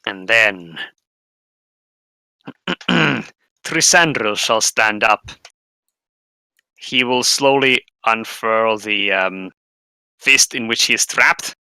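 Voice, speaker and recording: Man, game master, low-pitched, very bright forceful voice, formal fantasy narration with casual asides, dry close sound. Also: animated, very slow, pauses often, clear, resonant tone, dry recording, poor audio. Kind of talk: narrating a tabletop role-playing game.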